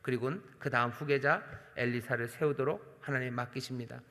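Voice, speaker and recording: A man, a senior pastor, preaching earnestly at a night prayer service, addressing the congregation directly with emphatic swells and soft drops. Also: medium pitch, steady tone, brisk. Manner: addresses the congregation directly and voices God's questions. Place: large church sanctuary. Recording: long hall reverb from church sanctuary.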